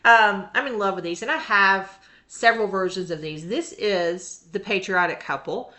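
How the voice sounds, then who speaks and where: A woman's voice: medium pitch, normal speed, pushed and bright. A woman in a casual, rambling show-and-tell vlog about her cross-stitch projects, laughing often as she talks.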